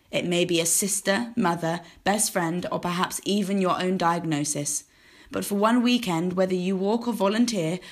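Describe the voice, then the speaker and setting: A woman voice-over artist reading scripted advert narration. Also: fairly low pitch.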